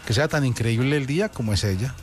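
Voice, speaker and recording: Male radio host, jokey and effusive, average pitch, music bed playing behind. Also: quick pace. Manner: warm, effusive well-wishing, joking. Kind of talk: live radio chat.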